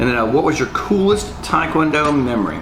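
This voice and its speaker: A man speaks with audible room echo and music playing in the background. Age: 30s. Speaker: taekwondo instructor. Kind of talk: casual Q&A video. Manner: fast; casual, many fillers.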